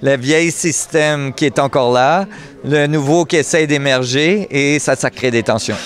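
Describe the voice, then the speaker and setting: A man with a Canadian French accent explaining ideas as an interview guest, earnest, pausing as he searches for words. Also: mid-range voice, faint music behind.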